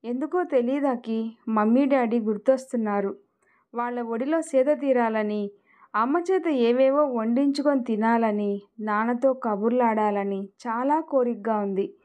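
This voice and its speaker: A woman's voice: on the high side, a little slow, natural voice. A woman doing an emotional young wife. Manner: emotional, soft.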